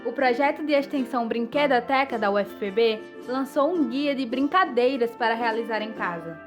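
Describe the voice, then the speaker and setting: Woman presenter, Brazilian, high voice, scripted podcast read over music. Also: lively intonation, moderate pace. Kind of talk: scripted narration. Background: background music.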